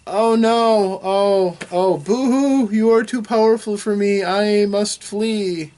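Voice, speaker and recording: A man's voice: high-pitched, slow, darkish tone, voice pushed up. A man playing a reluctant, apologetic djinn. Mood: mock wailing. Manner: apologetic, then mock-dramatic wailing. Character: reluctant enslaved djinn air spirit.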